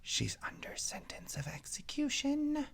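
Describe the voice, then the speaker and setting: A man voicing a timid, anxious white rabbit in a storybook, stammering and speaking in a hushed, hurried way. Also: extremely high pitch, big pitch swings, vocal fry, in a whisper, voice pushed up, full character voice. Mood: anxious whisper.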